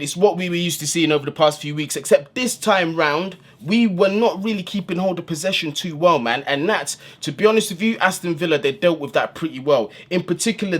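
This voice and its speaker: A man's voice: fairly high pitch, a bit bright, slight background noise. A man giving a casual, slang-filled post-match breakdown as a football fan channel host, recorded indoors in a room. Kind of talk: post-match analysis monologue.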